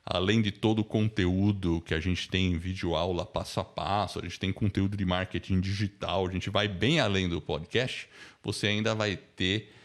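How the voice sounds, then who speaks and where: A man's voice: low voice, steady tone, moderate pace. A man with a Brazilian accent hosting a casual online class in an informal, chatty way, often tacking on tag questions. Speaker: host, podcasting teacher. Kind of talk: casual live online class chat and promotion.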